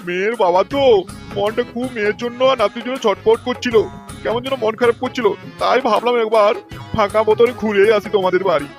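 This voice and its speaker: Man acting old cartoon miser, high voice, scheming, folksy, quick-talking. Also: faint music behind. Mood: folksy, fawning. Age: older. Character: stingy, scheming old father-in-law visiting his daughter. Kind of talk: comedy cartoon dialogue.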